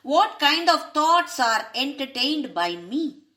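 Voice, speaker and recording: Slow, measured woman teaching scripture. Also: high-pitched, very animated, sharp tone. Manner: asks rhetorical questions to listeners; uses Sanskrit terms. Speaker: spiritual teacher. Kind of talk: explaining a spiritual text.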